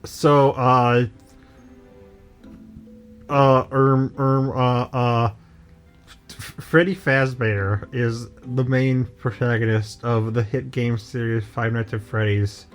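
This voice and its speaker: A man's voice: mid-range voice, fairly even intonation, takes it slowly, clean tone. A young man with a mid-range voice rambles through a goofy made-up story, stammering and doubling back on his words. The delivery is casual and unpolished, like a chat between friends, and faint music sits under the talk. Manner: stammering, repeats words, goofy nonsense humor. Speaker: co-host.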